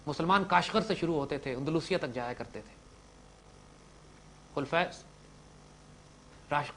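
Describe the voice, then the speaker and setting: A man with a Pakistani Urdu accent delivers a fervent religious lecture to young students, alternating between loud proclamations and quiet asides. There's a faint hiss or hum in the background.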